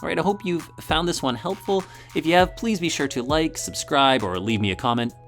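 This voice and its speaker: A man's voice: on the high side, brisk, fairly bright tone, faint music behind. A man narrating a scripted coding tutorial as its host, explaining step by step with emphatic openings to his phrases.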